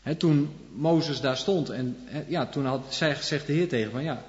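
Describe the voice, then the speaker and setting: A man's voice: medium pitch, normal speed. A man preaching a sermon, walking his listeners through Bible verses and tossing in frequent little asides to check they follow. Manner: explains scripture, leans on frequent "hè" asides. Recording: long hall reverb, dull lo-fi sound.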